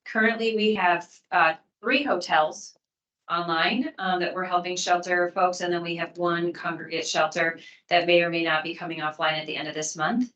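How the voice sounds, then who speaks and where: Woman, city official, low voice, plain-spoken briefing, echoey meeting room. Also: fairly even intonation, normal speed, a bit bright, distant mic, highs cut off.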